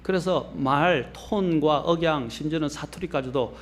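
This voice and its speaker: A middle-aged pastor delivers a measured, earnest sermon, his slightly high voice carrying a faint Gyeongsang accent. He climbs in pitch and force to drive home each point, then drops low and soft as phrases close. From Gyeongsang region, Korea.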